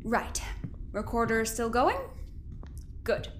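Audio drama scientist, female, acted: higher-pitched, icy, clipped, imperious, slight background hiss. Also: slow. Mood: cold, impatient. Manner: clipped, formal, commanding.

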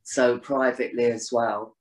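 A woman's voice: a bass voice, level tone, unhurried. A woman guest in a casual interview, talking at length in a rambling way with lots of "you know"s and restarts. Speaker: astrologer guest.

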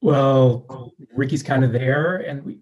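A calm, awkward ex-lover trying to keep the peace, as a man reads him in a comedy table read. His voice sits at an ordinary mid pitch, level and placating. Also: takes it slowly, highs cut off, natural voice.

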